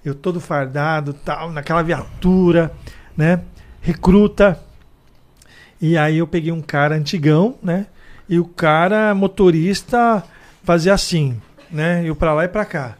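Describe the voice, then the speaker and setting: High-voiced man telling lively stories. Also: measured pace. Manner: acts out other people's voices with big pitch jumps. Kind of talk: casual storytelling chat.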